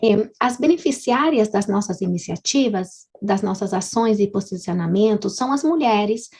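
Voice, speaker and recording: A woman, a founder and director of a nonprofit, speaking fluently and calmly on a webinar panel over a video call. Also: mid-range voice, moderate pace, slightly rough. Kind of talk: panel presentation.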